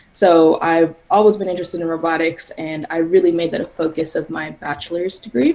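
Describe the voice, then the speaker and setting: Noticeable background noise sits under this recording. A woman with an American accent talks at a very fast pace. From US, Denver. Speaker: robotics engineer, guest speaker. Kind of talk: presentation.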